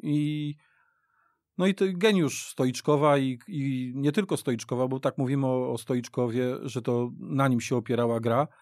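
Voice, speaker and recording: A man's voice: mid-range voice, steady tone, unhurried, darkish tone, no room sound, clean studio sound. A middle-aged man reminiscing in a casual football discussion, rambling and repeating himself as he tells the story. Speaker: football podcast guest. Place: radio studio.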